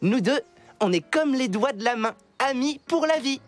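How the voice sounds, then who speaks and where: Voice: high-pitched, animated, normal speed. An actor voicing a friendly, playful young pet owner in a French cartoon. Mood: playful, affectionate. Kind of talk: French animated cartoon dub acting. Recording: music behind the voice.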